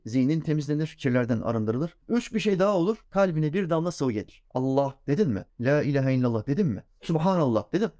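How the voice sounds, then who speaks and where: A man preaching a sermon in an animated way, asking rhetorical questions and joking with his listeners. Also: mid-range voice, dry recording, studio quality.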